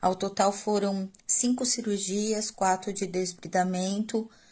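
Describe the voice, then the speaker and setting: At a very slow pace, a woman talks in a somewhat breathy, medium-pitched voice with monotone, flat intonation. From São Paulo interior, Brazil; São Paulo, Brazil. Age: 40s. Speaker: teacher, burn survivor. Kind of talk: recorded testimony. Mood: earnest, recounting painful experience. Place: home room. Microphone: phone near.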